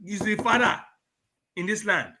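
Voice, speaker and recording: A man's voice: sits high, expressive, moderate pace, sharp tone. A man with a Yoruba accent from Nigeria, a guest on a talk show, talking emphatically and switching between Yoruba and English. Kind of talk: political talk show discussion.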